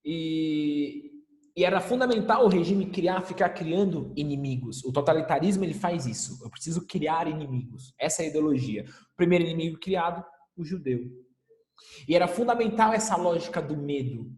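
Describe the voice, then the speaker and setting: A man's voice: fairly high pitch, expressive, moderate pace, a little mellow. A man teaching a recorded history lesson, emphatic, asking rhetorical questions and repeating key points. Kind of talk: recorded class lecture. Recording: echoey room with long reverb.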